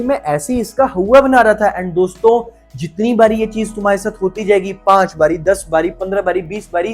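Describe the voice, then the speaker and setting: A young man giving energetic, emphatic motivational advice in a casual vlog, repeating words for stress and using slang. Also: high-pitched. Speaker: self-improvement YouTuber.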